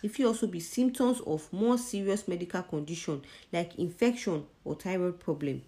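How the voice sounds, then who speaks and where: Speaking Nigerian Pidgin with a Nigerian accent, a woman presents a conversational health explainer in a low, dark-toned voice at a moderate pace. She's emphatic, putting questions to the listener and then answering them herself.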